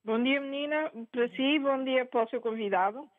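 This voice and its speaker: A woman's voice: high-pitched, a little fast, dry recording. An older, retired woman from Angola calling in to a TV talk show, chatty and direct. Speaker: phone-in caller. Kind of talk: call-in opinion. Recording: tinny phone line.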